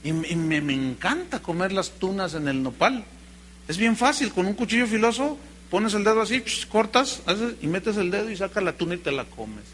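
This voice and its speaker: A man with a Mexican accent preaching a sermon, telling stories in an animated way and calling his listeners brother. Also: high voice, moderate pace, slight background noise. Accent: Mexican Spanish. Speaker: pastor.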